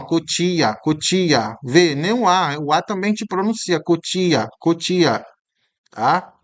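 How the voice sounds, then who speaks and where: A man's voice: a little high, a bit bright. Chatty male teacher sounding out words. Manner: chatty, emphatic, repeats words slowly to show pronunciation; frequent tag questions to the viewer. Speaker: Portuguese exam-prep teacher. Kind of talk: commented exam lesson.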